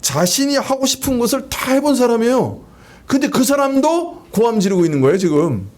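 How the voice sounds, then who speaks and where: A man's voice: very high voice, big pitch swings, fairly quick, darkish tone. A man preaching a sermon as pastor, talking to the congregation in a conversational way and asking them rhetorical questions. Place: church sanctuary.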